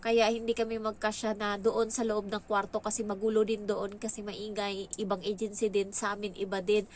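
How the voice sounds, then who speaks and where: A woman's voice: mid-range voice, flat delivery, normal speed, darkish tone, a little hiss or hum. A young woman with a Filipino accent telling a story in casual vlog chat. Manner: chatty, acts out quoted lines in a raised voice. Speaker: vlogger.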